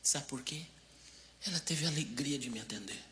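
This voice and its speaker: A Brazilian pastor preaching a storytelling sermon, swinging from hushed asides to loud outbursts, in a church hall. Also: male voice, medium pitch, moderate pace. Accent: Brazilian Portuguese.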